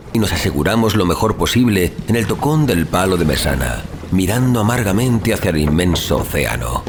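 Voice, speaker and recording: A man reading a literary horror story as a narrator, in a solemn, suspenseful, dramatic style. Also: low voice. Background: music.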